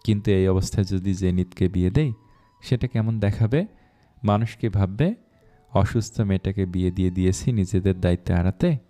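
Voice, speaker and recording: A man voicing a cautious middle-aged uncle in a spoken story, speaking in a measured, reasoning way with a deep voice. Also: mellow, soft background music, lightly acted.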